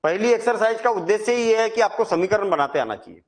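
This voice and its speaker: A man with a high voice explains a maths exercise step by step. He talks to his students in a chatty, reassuring way, and he keeps asking questions and then answering them himself. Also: lively intonation, fast. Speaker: maths teacher. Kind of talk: Hindi maths lesson.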